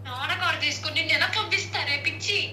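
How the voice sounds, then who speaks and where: Fast, high-pitched pleading woman. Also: sharp tone. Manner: pleading, insistent. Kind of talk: private phone conversation, emotional and insistent. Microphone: phone call. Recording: echoey, noisy leaked phone call recording.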